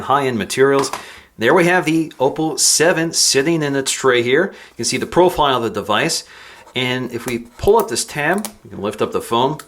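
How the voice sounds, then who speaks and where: A man reviewing tech, calmly explaining each step of a phone unboxing as he goes. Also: mid-range voice. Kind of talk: product unboxing walkthrough.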